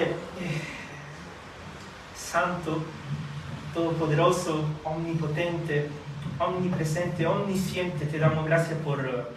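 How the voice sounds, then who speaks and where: A man preaching and praying in a church, born in Italy, halting with many fillers and restarts. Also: fairly high pitch, a little hiss or hum. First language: Italian or Filipino language. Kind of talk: sermon and prayer. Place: church hall. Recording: echoey hall, from far off.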